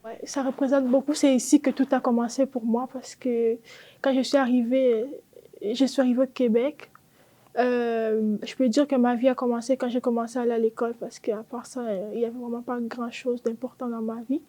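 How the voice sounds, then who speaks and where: A woman's voice: a little high, little pitch movement, moderate pace, mellow. An eighteen-year-old woman from Congo giving an earnest, grateful documentary testimony. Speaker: interviewee.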